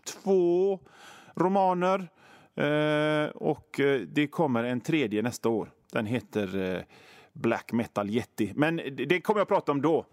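A man hosts a radio show, rambling through a comic monologue and poking fun at himself. His voice sits a little high for a man. The sound is dry and close, straight into a studio microphone. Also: dry recording. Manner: rambling, self-mocking, many fillers and restarts. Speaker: radio host.

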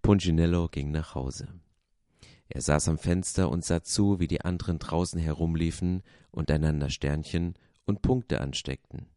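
A man, a pastor, reading a children's story aloud with expressive storytelling. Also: deep voice, normal speed, no echo, clean studio sound.

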